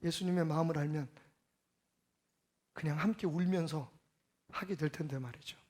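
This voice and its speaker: A man giving a Sunday sermon as pastor, emphatic and full of rhetorical questions, swinging between loud and soft. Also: a little high, moderate pace.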